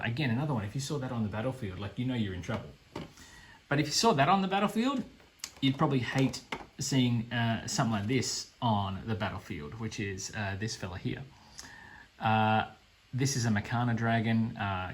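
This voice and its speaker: Husky, excitable Australian man. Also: on the low side. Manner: enthusiastic, gushing, casual. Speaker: board game reviewer. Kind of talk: unboxing commentary.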